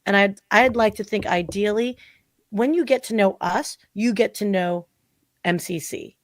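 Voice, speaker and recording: A woman's voice: mid-range voice, a little slow, no room sound. A woman in her forties, a guest on a podcast, talking casually and animatedly with lots of filler words. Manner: chatty, animated, full of "like" fillers. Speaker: podcast guest, marketing consultant. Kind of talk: casual interview chat.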